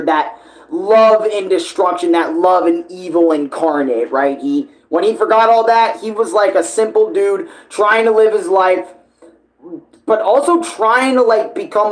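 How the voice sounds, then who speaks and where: An American streamer giving casual, rambling fan commentary in an emphatic, conversational way, with slang and swearing; the voice sits at a pitch between typical male and female ranges. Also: low-quality recording. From United States (Phoenix). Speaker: streamer and video creator.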